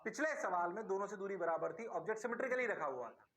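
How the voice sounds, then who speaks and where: Animated, bright-voiced male teacher. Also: high voice, quick pace. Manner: animated, coaxing, repeats questions to the class; playful. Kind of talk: classroom lecture.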